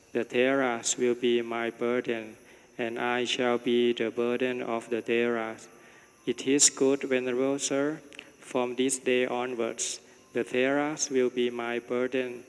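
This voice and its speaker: A man reciting a ritual vow in a measured, solemn, repetitive way. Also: medium pitch, clean tone. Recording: long reverb.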